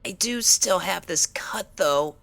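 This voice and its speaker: A woman's voice: lowish voice, lively intonation, slow pace, creaky, fairly bright tone, heavily acted. A woman voicing a timid, injured young female pony in a dramatized story reading, hesitant and meek, with anxious pleading. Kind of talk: dramatized fan fiction reading.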